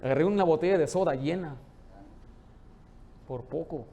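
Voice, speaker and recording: A man, preaching a lively sermon in a church and telling stories with humor. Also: fairly high pitch, moderate pace, dull audio, a little hiss or hum. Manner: lively storytelling, joking with the congregation. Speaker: pastor.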